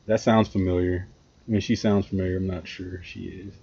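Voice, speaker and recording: Low-voiced guy rambling on his stream, swearing a lot, kinda muffled lo-fi audio. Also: level tone, a little fast, creaky, dark tone, slightly rough. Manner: profane, rambling, chatty with viewers. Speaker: streamer reacting to a video. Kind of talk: casual livestream chat.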